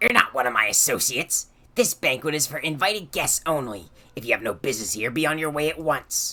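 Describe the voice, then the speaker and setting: Someone performs a put-on character voice at a low-to-middle pitch. The pace is fairly quick. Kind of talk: formal. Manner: stern.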